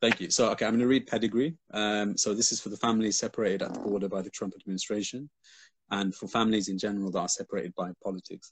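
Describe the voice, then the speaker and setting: This voice has a Birmingham accent and fairly even intonation. The pace is very fast. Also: man, fairly low pitch for a man. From Birmingham, England. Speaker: poet and visual artist. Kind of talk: spoken word poetry reading. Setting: Instagram live video call. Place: home room.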